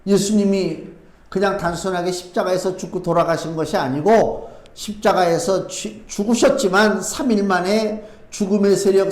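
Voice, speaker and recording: A middle-aged man with a high, light voice preaches to his congregation. He talks in a chatty, questioning way, answering his own rhetorical questions. The sound rings around an echoey church room. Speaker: pastor. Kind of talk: sermon. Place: church sanctuary.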